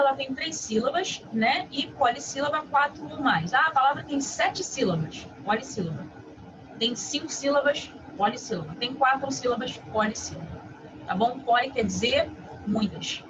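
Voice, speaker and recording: Didactic woman teacher, muffled recording. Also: high-pitched. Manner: didactic, constantly checks understanding with tag questions. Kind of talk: online lesson. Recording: muffled with steady background noise.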